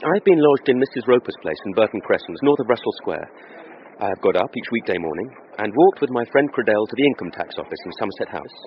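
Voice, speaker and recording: An earnest, wistful young Victorian clerk, played by an actor in a radio drama. His voice is mid-pitched and moves expressively up and down. The recording is slightly muffled, with light hiss. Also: animated, fast talker, close to an everyday voice. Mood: reflective. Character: young Victorian clerk, lovesick and self-doubting. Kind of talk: period radio drama acting. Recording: dull recording with faint hiss.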